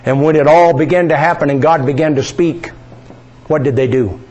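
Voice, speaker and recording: A man's voice: a little high, moderate pace, a little mellow, lo-fi sound. A man preaching a sermon, reading scripture aloud and asking his congregation questions.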